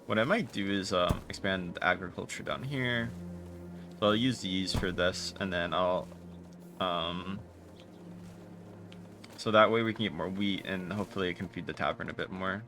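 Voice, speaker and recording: A man's voice: sits low, moderate pace, pauses often, background noise. A man giving casual video game commentary, fumbling for words as he trails off and restarts his sentences. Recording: music playing behind the voice. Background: game music.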